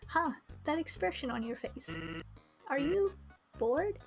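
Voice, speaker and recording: An easygoing skeleton character from a visual novel, read by a woman, friendly and fond of jokes. The delivery is casual and laid-back, in a high register. Music plays behind it. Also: expressive, measured pace.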